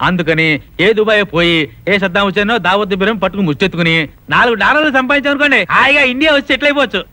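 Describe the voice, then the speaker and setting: An actor playing a cheeky, scheming beggar who talks breezily. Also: male voice, sits high, rapid-fire, pushed and bright. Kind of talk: film comedy.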